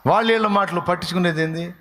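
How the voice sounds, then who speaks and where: A male pastor preaching with force, firing off one rhetorical question after another. His voice sits fairly high for a man. He acts out the words of the people in his stories. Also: fast, fairly bright tone. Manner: emphatic, full of rhetorical questions, acts out quotes. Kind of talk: sermon.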